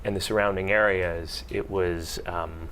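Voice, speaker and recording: A man's voice: low-pitched, fairly even intonation, measured pace, a bit bright, slight background noise. A man from the United States, a PhD student on a panel, talking casually with many fillers and restarts. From Pittsburgh, United States. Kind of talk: panel discussion.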